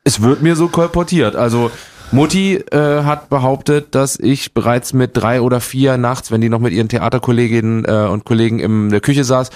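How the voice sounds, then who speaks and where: Young man, from Germany, quick rambling talk, interview guest. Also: medium pitch, steady tone, darkish tone. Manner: fast-talking, rambling with restarts. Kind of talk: casual interview chat.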